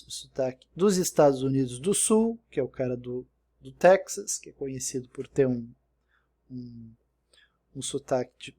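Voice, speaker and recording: Guy teaching english, kinda high but mellow voice, patient, keeps saying né. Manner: patient and explanatory, often checking in with "né?". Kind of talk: recorded screen-share lesson.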